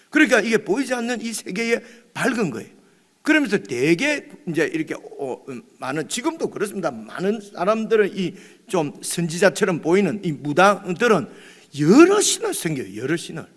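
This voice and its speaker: A male pastor giving a dawn prayer meeting sermon in a conversational way, often checking with his listeners and pausing on fillers. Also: sits high, a bit bright, long reverb tail. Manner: conversational, often asks "right?"; hesitant, many fillers and restarts.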